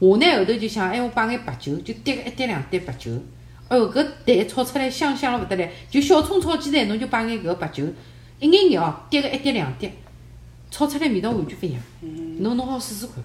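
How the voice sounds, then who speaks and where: Fairly high-pitched woman's voice with vocal fry and very wide pitch swings. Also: fairly quick pace. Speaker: home chef. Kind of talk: casual chat.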